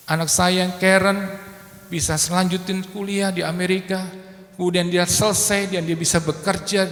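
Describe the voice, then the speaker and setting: A middle-aged male pastor giving a sermon testimony, swinging between loud exhortation and hushed, emotional confession. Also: high voice. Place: church sanctuary. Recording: echoey church hall with music.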